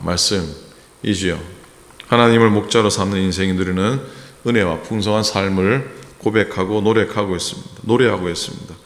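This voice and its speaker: A man from Gyeongsang preaches to his congregation, his low voice carrying a long, ringing reverb. He builds to earnest emphasis and stops now and then on hesitant fillers, recorded in a roomy church sanctuary. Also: fairly bright tone. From Gyeongsang, South Korea. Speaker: pastor. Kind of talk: sermon. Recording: echoey church hall.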